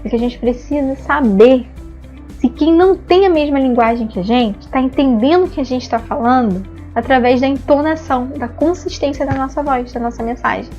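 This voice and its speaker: This high-pitched, dark-toned voice belongs to an ABA therapy instructor from Brazil teaching an online class at normal speed. With a Brazilian Portuguese accent, she explains things patiently, keeps tagging sentences with "né?", and acts out examples of praise and saying "no." The recording sounds muffled, with soft background music.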